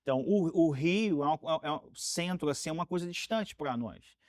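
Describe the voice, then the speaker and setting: A pastor in his forties with a Carioca accent tells his story in a relaxed, rambling way, often circling back over his words. His voice sits a touch high for a man. The sound is close and dry. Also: moderate pace, no room sound. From Rio de Janeiro, Brazil. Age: 40s. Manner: rambling, repeats words while gathering thoughts. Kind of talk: casual interview storytelling.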